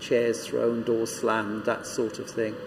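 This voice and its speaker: A man of medium pitch at a moderate pace, with noticeable background noise. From South Wales. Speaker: retired teacher. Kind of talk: interview. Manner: halting.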